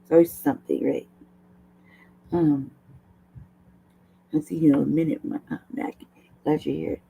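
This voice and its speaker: A woman host with a low, hoarse voice, chatting casually at a desk mic, rambling, laughing often and swearing. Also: fairly even intonation, measured pace, warm tone, lo-fi sound, slight background noise. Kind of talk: casual livestream talk.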